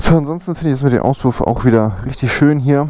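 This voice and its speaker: This is a man with a dark, mellow tone. Pitch variation is ordinary, and the sound is dry with no echo. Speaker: motovlogger. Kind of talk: casual vlog chat. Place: street.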